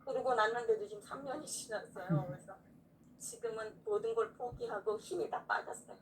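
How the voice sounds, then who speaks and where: A woman's voice: on the high side, fairly quick. A woman pastor telling an earnest, emotional personal testimony in a casual faith conversation. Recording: distant mic with faint background noise.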